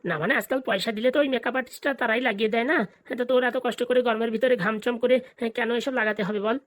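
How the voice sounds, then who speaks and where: Lady doing a grumbly old cartoon grandpa, quick scolding talk, kinda high pitched. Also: fairly even intonation, lightly acted. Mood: coaxing. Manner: scolding, blunt, colloquial. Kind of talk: comic cartoon dialogue.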